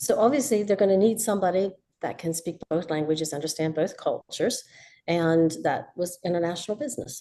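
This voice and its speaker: A woman speaks in an American accent at a fairly quick pace. Her voice is fairly low, with lively intonation. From US, West Virginia. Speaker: guest sharing life story. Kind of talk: interview, personal story.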